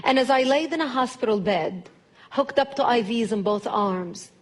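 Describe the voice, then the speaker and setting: Emphatic middle-aged woman, higher voice. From Lebanon. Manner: measured, emphatic delivery with deliberate pauses. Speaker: guest speaker. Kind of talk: testimony speech to a church audience. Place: church.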